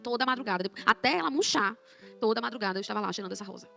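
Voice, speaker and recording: A young woman telling her conversion testimony in an emotional, animated way, acting out her own quoted words as she talks. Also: a little high, rapid-fire, vocal fry, faint music behind. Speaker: guest giving a conversion testimony.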